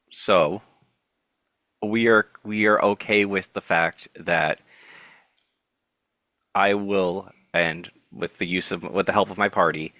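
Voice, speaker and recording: A man playing a tabletop game, thinking aloud with halting restarts. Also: low-pitched, sharp tone, no echo. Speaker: player. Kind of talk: casual tabletop role-play.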